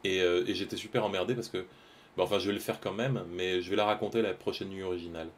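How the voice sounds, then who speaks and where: A man's voice: low voice, fairly even intonation, fast, slight background noise. A man, chatting casually and hesitantly with his stream viewers while he draws live, full of fillers and restarts.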